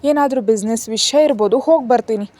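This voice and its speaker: Kind elderly grandfather, read by a woman, gentle and fond, fairly high mellow voice. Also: fast, lightly acted.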